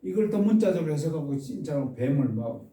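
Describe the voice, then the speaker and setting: A man preaching an expository sermon as a pastor. He stresses key words with loud exclamations and asks the congregation questions. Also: fairly high pitch, animated, a little fast. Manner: asks the congregation questions and has them repeat phrases. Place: church sanctuary. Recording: echoey church room, mic at a distance.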